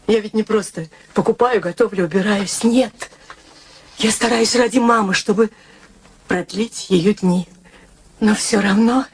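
An actress in a radio play playing a proud unmarried daughter with a dry, composed, ironic manner. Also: female voice, medium pitch, darkish tone, a little hiss or hum, close to an everyday voice. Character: proud, wry unmarried daughter devoted to her elderly mother.

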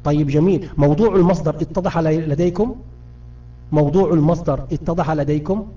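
High-voiced grammar teacher, muffled and distant. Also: male voice, fairly quick, warm tone. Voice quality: frequent self-restarts and repeated words. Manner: patient, keeps quizzing students. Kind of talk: live online grammar lesson.

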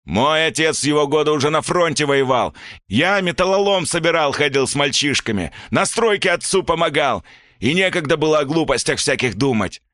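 A man voicing an enraged, coarse middle-aged father who shouts and scolds his son. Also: lively intonation, brisk, dry recording, clean studio sound. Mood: lecturing. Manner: shouting, scolding, high and strained.

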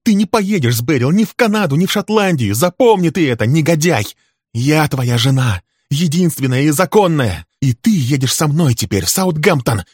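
A scorned, furious wife hurls accusations in a high, shrill, cutting voice, as a male reader of a crime story puts her on. The sound is dry and close, with no room around it. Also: fairly quick, husky, no echo, natural voice. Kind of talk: dramatic audiobook reading.

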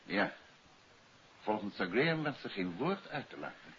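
An actor playing a composed, courteous, faintly wry detective in a 1950s radio drama. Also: male voice, mid-range voice, lively intonation, moderate pace, a bit bright. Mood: businesslike. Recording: muffled, hissy old radio recording.

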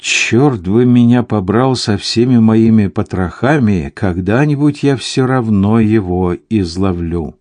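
Dogged, blunt police commissioner, gruff and low, as a male reader puts him on, storybook. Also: measured pace, few pauses, a little mellow, close to an everyday voice.

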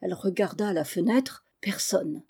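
A woman narrating a classic children's novel aloud in an even, measured way. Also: medium pitch, slightly rough. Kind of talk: audiobook reading.

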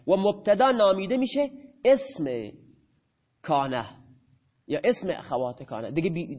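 A man's voice: a little high, dull audio. A man teaching grammar in a lecture, who asks his students questions and then answers them himself.

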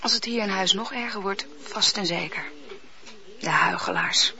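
An actress playing a brisk, sharp-tongued young maid teaching a friend to read, scolding and impatient, in a radio play. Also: female voice, medium pitch. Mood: scornful. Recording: dull lo-fi old radio recording.

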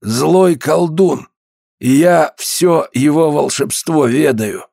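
A man voicing a hoarse one-eyed peasant who pleads and accuses in an audiobook. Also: a little high, slow, dark tone, no echo, clean studio sound, pitched above the performer's own voice, full character voice. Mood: fearful.

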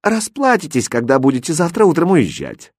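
Guy putting on a fussy sugary storybook innkeeper, high and bouncy, dry sound. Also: wildly swooping pitch, normal speed, no echo. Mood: fawning. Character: fawning greedy innkeeper, male, middle-aged.

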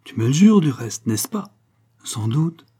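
In an audiobook, a male reader voices a storybook character: a passionate young gypsy woman, fervent, jealous, and quick to flare. He lifts his voice high and keeps it very animated, yet the tone stays dark and mellow with a husky edge beneath.

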